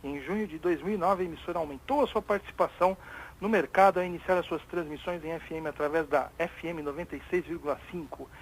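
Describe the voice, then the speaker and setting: A man's voice: fairly high pitch, quick pace, breathy edge, rough recording. A Brazilian man co-hosting a radio talk show, chatting casually with many restarts and reading news items aloud. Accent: Brazilian Portuguese.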